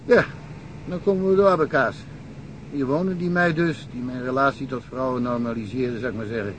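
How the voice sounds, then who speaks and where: An actor playing a talkative middle-aged provincial police detective in a radio drama, telling wry stories and chuckling often. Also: male voice, medium pitch, a little fast, a little hiss or hum, lightly acted, rough recording. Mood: amused, chatty.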